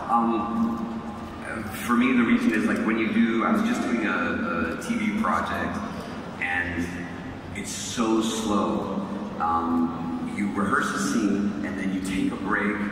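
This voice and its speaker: A man at a very slow pace, with strong room echo and noticeable background noise. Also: ordinary pitch variation. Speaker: guest actor on stage. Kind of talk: interview answer. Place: hall.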